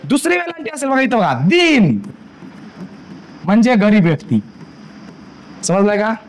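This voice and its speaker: A man's voice: high voice, sing-song, fairly quick, slight background noise. A man teaching a grammar lesson for exam preparation, repeating points and often checking that students understand. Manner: repetitive, checks understanding with frequent questions.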